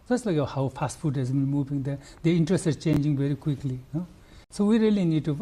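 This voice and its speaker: Older nepali guy, nepali accent, husky dark voice, earnest and halting w lots of restarts. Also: fairly high pitch. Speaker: conservationist guest. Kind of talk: interview answers.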